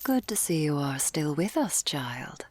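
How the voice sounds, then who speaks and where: A woman playing a stern, condescending female elder angel, speaking in a measured, patronising whispered role-play with a breathy, creaky voice. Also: low voice, sing-song, darkish tone, heavily acted. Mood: cool, condescending.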